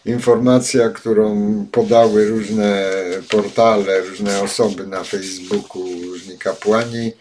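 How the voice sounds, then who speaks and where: An older man giving spoken commentary and reading passages aloud, pausing often with filler sounds, recorded at a desk webcam in a home study. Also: on the low side, flat delivery, crowd noise. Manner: halting, many filler sounds. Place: home study with bookshelves, indoors.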